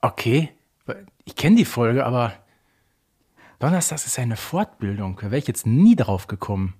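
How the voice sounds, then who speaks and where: Male podcast co-host, average-pitched voice, informal quiz-duel conversation. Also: big pitch swings, normal speed, dark tone, breathy edge. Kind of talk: casual chat, fan quiz banter.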